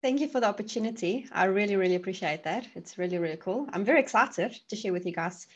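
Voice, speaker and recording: A woman's voice: mid-range voice, fast, highs cut off. A woman, presenting her podcast over a video call in a friendly, eager way. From South Africa. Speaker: podcast guest. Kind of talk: casual presentation.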